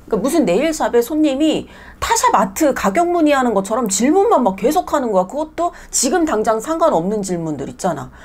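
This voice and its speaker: Nail salon owner, woman, blunt and fed up, slightly high voice that swings widely, casual vlog talk. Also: sing-song, fast, hardly any pauses. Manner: blunt, exasperated ranting; switches between polite and plain speech.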